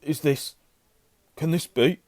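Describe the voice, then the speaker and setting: A man's voice: medium pitch, expressive, fast talker, dark tone, no echo, pitched above the performer's own voice, close to an everyday voice. Man doing an awestruck, emotional old barman. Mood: astonished. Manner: exclaiming in awe.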